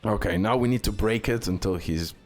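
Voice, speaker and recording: A man's voice: on the low side, a little fast, soft background music. A man giving casual, unscripted gameplay commentary as a video host, often repeating short phrases over and over.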